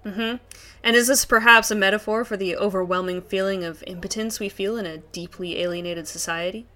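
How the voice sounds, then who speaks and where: A woman's voice: mid-range voice, fairly even intonation, a little fast, pushed and bright, close to an everyday voice. A woman playing a pompous, detached, over-intellectual doctor who lectures in a comedy sketch. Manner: pompous, academic.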